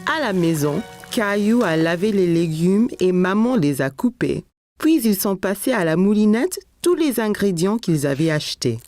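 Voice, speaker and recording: A woman playing a gentle storyteller who narrates a children's cartoon in scripted storybook style. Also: mid-range voice, big pitch swings, moderate pace, no echo, faint music behind, natural voice. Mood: storytelling. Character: gentle storyteller narrating a small boy's day.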